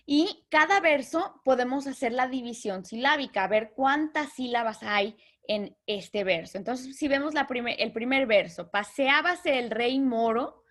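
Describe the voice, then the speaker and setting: A woman teaching a literature lesson, patiently explaining terms and slowly counting out syllables. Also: high voice, expressive, a bit bright.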